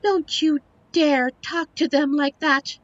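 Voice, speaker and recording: Audio roleplay heroine: young succubus daughter, played by a woman, piping high voice, pleading yet defiant, muffled lo-fi sound. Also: steady tone, takes it slowly, no echo. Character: sweet, defiant young succubus daughter protecting her lover. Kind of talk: scripted audio roleplay acting.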